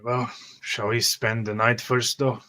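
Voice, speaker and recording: A man playing a tabletop roleplaying game, speaking haltingly and deliberately as his character and describing his gestures. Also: mid-range voice, little pitch movement, pushed and bright. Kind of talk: in-character roleplay mixed with first-person narration.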